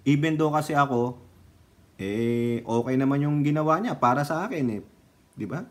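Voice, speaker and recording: A Filipino man giving casual political commentary, chatty and teasing, laughing often and dropping from loud remarks to low asides. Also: lively intonation, normal speed. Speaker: political vlogger.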